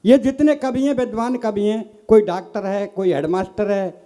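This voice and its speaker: A man's voice: high-pitched, normal speed, mellow. An older man, a comic poet telling teasing folksy stories on stage. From Bharatpur district, Rajasthan. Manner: folksy, teasing storyteller, addresses audience as sahib. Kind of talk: stand-up comic poetry recital. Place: live poets' gathering stage.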